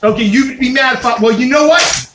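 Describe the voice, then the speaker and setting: A man doing a loud, boisterous comedic sales pitch as a mock shopping channel host. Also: brisk. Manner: loud, boisterous, hyped, shouting. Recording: echoey room with loud background noise.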